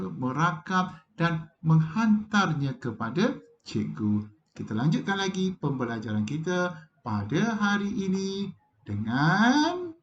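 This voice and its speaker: A Malaysian man teaches a recorded lesson for young schoolchildren. His voice sits fairly high and swings up and down with animated, sing-song emphasis as he coaxes his pupils. The recording is somewhat dull and lo-fi. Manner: warm, coaxing, addresses pupils directly.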